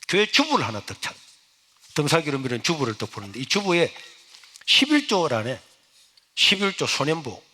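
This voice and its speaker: A middle-aged male pastor with a Gyeongsang accent, telling a lively story in a sermon. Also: medium pitch, husky. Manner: animated, storytelling. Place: church sanctuary. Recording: echoey church hall.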